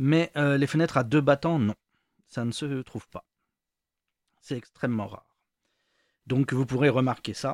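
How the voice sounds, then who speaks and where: Medium-pitched male speech with fairly even intonation, big swings in loudness and long, frequent pauses, in a dry, close sound with no echo and a very clean recording with a silent background. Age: 40s. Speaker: podcaster. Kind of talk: casual monologue. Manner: hesitant, many fillers.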